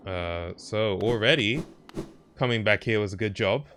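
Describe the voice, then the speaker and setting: Lowish-voiced man giving casual game commentary. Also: a little slow, fairly bright tone, slight background noise. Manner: thinking aloud, mild slangy exclamations. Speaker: game streamer. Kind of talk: casual let's play commentary.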